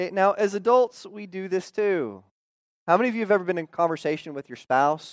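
On a very clean recording with a silent background and a dry, close sound with no echo, a man talks at a very fast pace. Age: 30s. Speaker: preacher. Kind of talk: sermon. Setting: church. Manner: animated.

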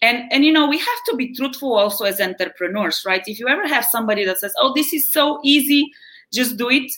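A woman's fairly high, bright, sharp voice with lively intonation and a Bulgarian accent. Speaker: body mind coach and founder. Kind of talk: casual interview chat.

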